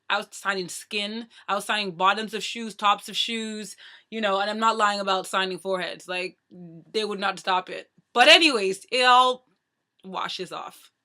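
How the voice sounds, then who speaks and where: A woman in her thirties talks straight to her viewers in a loose, chatty vlog. Her voice is bright and forceful. She rattles along at a quick clip with a playful, joking manner. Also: medium pitch. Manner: talks very fast. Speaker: vlogger. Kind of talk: casual chat to camera.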